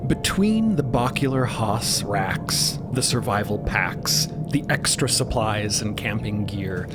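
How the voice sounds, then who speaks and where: Slow, expressive male narrator. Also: lowish voice, over loud music. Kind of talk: dramatic scripted storytelling.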